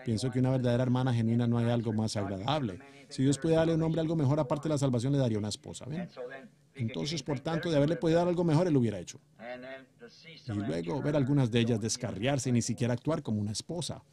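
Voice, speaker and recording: A man preaching a sermon in an earnest way, swinging between loud calls and hushed telling. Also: medium pitch, quick pace, a crowd in the background.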